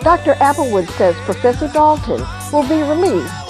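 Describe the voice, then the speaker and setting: An actress playing a polished morning radio news anchor, reading scripted headlines in an audio drama. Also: female voice, high-pitched, big pitch swings, moderate pace, over music. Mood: brisk, professional.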